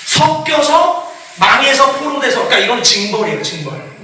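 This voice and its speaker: A man preaching as a missionary, lively and laughing, acting out quoted voices. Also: very high voice, moderate pace, slight background noise. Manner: animated, acts out quoted voices, laughs often. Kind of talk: sermon lecture. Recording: echoey hall, far from mic.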